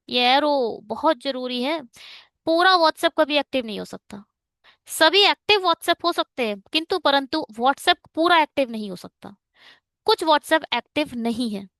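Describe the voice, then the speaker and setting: A woman with a high, slightly bright voice teaches reasoning for bank exams in a chatty online lesson, recorded dry with studio quality. She mixes Hindi and English and rants at the exam setters.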